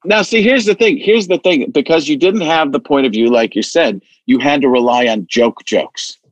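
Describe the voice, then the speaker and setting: A man hosting a podcast, telling stories in a rambling, animated way with many restarts. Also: a little high, normal speed, no room sound, rough recording. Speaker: podcast host. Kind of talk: casual chat.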